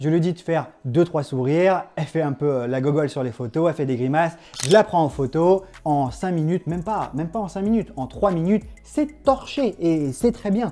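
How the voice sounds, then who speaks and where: Using a plain, everyday voice, a man talks at a moderate pace with fairly high pitch and lively intonation. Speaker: tattoo artist and YouTuber. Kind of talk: casual vlog storytelling.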